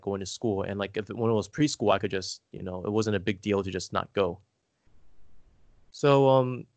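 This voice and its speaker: A man's voice: mid-range voice, dry recording. Rambling man, dry close sound. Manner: rambling, hesitant, frequent filler "like". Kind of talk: casual conversation.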